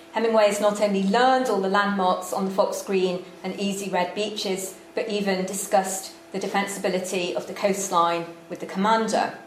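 Female lecturer, measured delivery with a dry wit and plenty of ums; roomy hall sound with a faint hiss under it. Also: medium pitch. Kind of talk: academic lecture with slides. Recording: echoey room with faint background noise.

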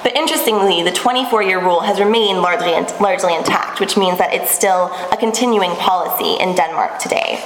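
A woman in her twenties giving a measured academic presentation to a panel in a small seminar room. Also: lowish voice. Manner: clear, measured lecturing with occasional restarts. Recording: echoey room with long reverb, faint background noise.

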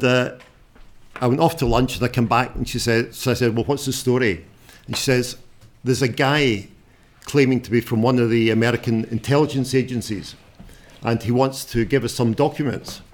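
A man in his sixties with a strong Scottish accent gives an informal, unscripted talk as a journalist, speaking plainly and haltingly. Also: mid-range voice. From Scotland. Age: 60s.

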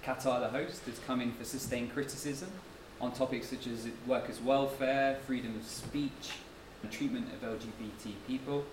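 A man's voice: medium pitch, steady tone, moderate pace, hardly any pauses. Man giving a talk, modest and chatty, far from mic, roomy echo. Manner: modest, slightly self-deprecating, conversational. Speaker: guest speaker, author and anthropologist. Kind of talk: public lecture. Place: lecture room. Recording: echoey room from far off, noisy.

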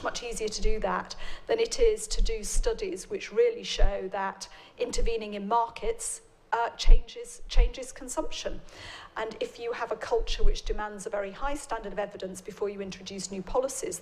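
A woman answers an audience question at a public lecture. She talks as an expert, measured and explanatory. She rises in pitch when she stresses a point. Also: fairly even intonation, slight background noise, low-quality recording. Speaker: invited expert speaker.

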